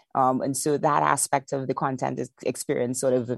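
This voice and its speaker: Talking at a fairly quick pace, a woman uses vocal fry and a very deep, low pitch in a dry, close sound with no echo. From Trinidad. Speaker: consumer insights director and podcast host. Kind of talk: casual interview chat.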